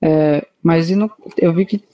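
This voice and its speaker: A Brazilian man asks his teacher questions during an online lesson, hesitating and searching for his words. His voice is mellow and warm. He sounds like a student on a video call. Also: fairly high pitch, steady tone, unhurried. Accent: Brazilian Portuguese. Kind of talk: asking questions in class.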